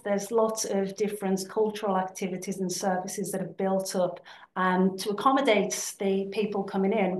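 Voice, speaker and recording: A woman's voice: medium pitch, reverberant. A woman presenting her university in a webinar, speaking steadily with frequent ums and repeated words. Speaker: university representative presenting to prospective students.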